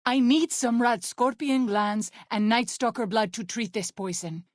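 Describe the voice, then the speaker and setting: Woman acting as a high-voiced, earnest tribal healer. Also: no room sound, clean studio sound, close to an everyday voice. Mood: weary, hurting. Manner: formal, measured wording without slang. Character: tribal healer woman companion, protective mother, principled and earnest. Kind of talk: video game character voice lines.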